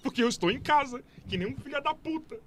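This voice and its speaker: A male podcast host with a Brazilian Portuguese accent and a high-pitched voice. He chats casually at a quick pace, teasing bluntly and swearing, with faint noise behind him. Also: animated. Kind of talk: casual, joking live podcast chat.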